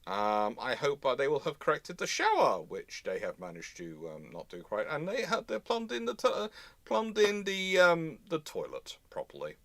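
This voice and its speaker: A man's voice: fairly high pitch, wildly swooping pitch, moderate pace, fairly bright tone, no room sound. A man with a British accent hosting an unscripted live chat, rambling and rephrasing himself as he explains. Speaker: host of a live history stream.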